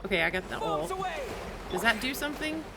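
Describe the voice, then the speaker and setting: A woman doing casual live gameplay commentary, playful, excitable and quick to react. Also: medium pitch, very noisy. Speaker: game streamer. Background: game music.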